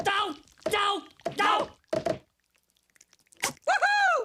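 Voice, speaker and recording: A cartoonish character voice at an extremely high pitch. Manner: loud, excitable.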